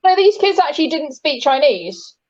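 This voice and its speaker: A young woman answers questions in a hesitant, easygoing way, with many ums and likes. Her voice sits a little high. The audio sounds dull and lo-fi. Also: big pitch swings, normal speed. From England. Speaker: guest. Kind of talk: casual interview chat.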